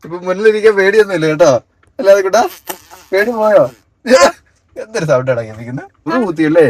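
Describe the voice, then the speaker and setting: A woman's voice: on the low side, lively intonation, fast, darkish tone. A woman vlogging casually from a parked car, chatting and coaxing a small child along. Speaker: vlogger and mother. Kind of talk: casual family vlog chat.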